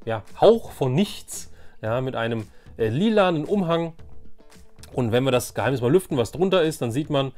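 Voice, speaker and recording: A man of medium pitch chats casually as a video host showing off a collection. He is enthusiastic and corrects himself as he goes, with faint music behind him. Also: a little mellow. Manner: chatty, enthusiastic, self-correcting. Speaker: host of a vintage toy collecting channel. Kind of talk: casual show-and-tell chat.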